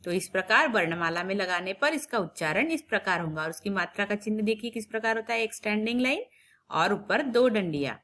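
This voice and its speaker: A woman teacher giving a recorded phonics lesson to young children. She repeats every word and sound slowly and clearly, and stops to ask the children questions. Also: mid-range voice, expressive, fairly bright tone. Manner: patient, questions the children directly. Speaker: primary school teacher.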